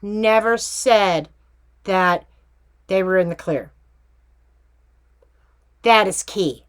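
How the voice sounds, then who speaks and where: A woman's voice: mid-range voice, drawn-out words. A woman hosting a casual true crime tarot reading vlog, chatty and emphatic with slangy asides. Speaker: tarot reader and true crime channel host.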